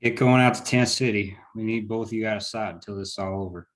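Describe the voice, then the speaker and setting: Man acting a gruff, vengeful small-town lawman. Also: lowish voice, fairly even intonation, fast, lightly acted. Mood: cold, threatening. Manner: gruff, blunt, threatening talk. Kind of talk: script table read.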